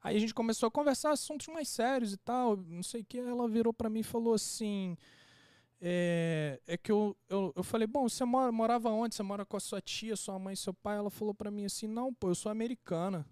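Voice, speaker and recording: A young man, a podcast guest casually telling an anecdote in a slangy, animated way and acting out the quotes. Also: high-pitched, fairly quick, clean tone, no echo, clean studio sound.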